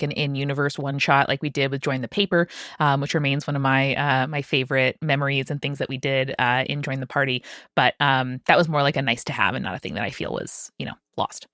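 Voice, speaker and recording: A woman's voice: extremely low pitch, fast talker, fairly bright tone, no echo, clean studio sound. A woman co-hosting a podcast, talking in a wry, upbeat way and reading out listener questions. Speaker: podcast co-host. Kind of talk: casual podcast chat.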